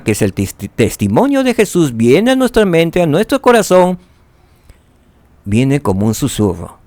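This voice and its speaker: A man teaching a scripture lesson, asking rhetorical questions and dropping to soft tones for emphasis. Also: on the high side, no room sound.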